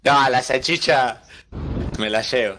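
A man playing a hot dog vendor in a game roleplay, relaxed and laughing along. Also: medium pitch, measured pace, a little hiss or hum. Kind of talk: GTA roleplay stream banter.

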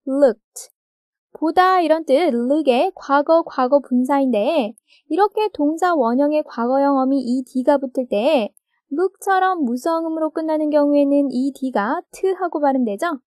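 차분하고 높은 목소리의 여성 영어 강사. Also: female voice, high voice, darkish tone, no room sound, studio quality. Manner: patient, explains step by step, asks rhetorical questions. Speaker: English grammar teacher. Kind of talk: recorded video lesson.

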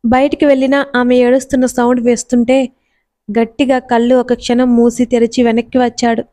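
A woman narrates a story in a measured, scripted reading. Her voice is fairly high yet mellow and dark in tone, and it barely rises or falls. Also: level tone.

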